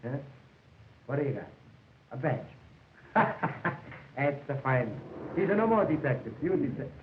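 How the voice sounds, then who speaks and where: A wisecracking hustler, early talkie film. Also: male voice, mid-range voice, very animated, moderate pace. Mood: brash. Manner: wisecracking, pushy, broken English. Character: brash broken-English male hotel hustler. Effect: early talkie film soundtrack. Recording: tinny, echoey early sound film with hiss.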